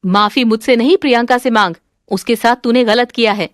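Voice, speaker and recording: Woman voicing a cartoon mother-in-law, stern, lower than her daughters-in-law, commanding, dry sound. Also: fairly quick, no echo, lightly acted. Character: strict scolding mother-in-law.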